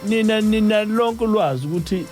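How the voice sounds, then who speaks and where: A man's voice: high voice, a little fast, darkish tone, faint music behind. A South African man in casual discussion as a talk show panelist.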